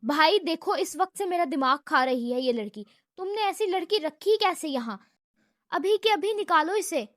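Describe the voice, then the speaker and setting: A woman voicing a rude, hot-tempered young man who shouts indignant outbursts in a storybook reading. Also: high-pitched, expressive, no room sound, clean studio sound. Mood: angry shouting.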